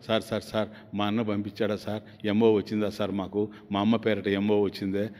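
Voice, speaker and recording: A man's voice: fairly low pitch, monotone, a little fast, darkish tone, voice pushed down, lightly acted. A man voicing a pleading poor schoolboy. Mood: begging. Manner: pleading, repeating "amma". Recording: long hall reverb.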